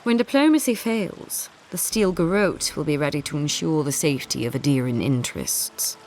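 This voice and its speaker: A woman playing a formal, measured and coolly menacing military captain in a video game. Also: low-pitched, animated, a little mellow, slight background noise. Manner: formal, measured, veiled threat. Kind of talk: video game character acting.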